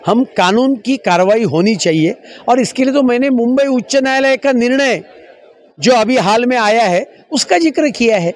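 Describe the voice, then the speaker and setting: A man speaks as a politician making a press statement. His voice is high-pitched. He explains his position emphatically, point by point.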